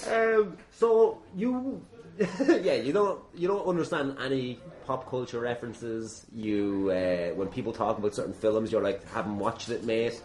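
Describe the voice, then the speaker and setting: A man's voice: mid-range voice, measured pace, darkish tone. An Irish man hosting a podcast as a casual interviewer, teasing, irreverent and prone to swearing. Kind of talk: casual, jokey podcast chat. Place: inside a busy gym.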